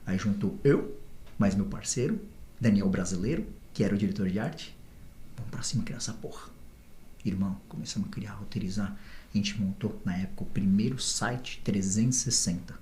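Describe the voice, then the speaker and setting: A man's voice: on the low side, brisk. Slangy man telling stories. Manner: slangy, profane, animated. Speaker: podcast guest. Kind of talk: casual storytelling interview. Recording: roomy echo, faint noise.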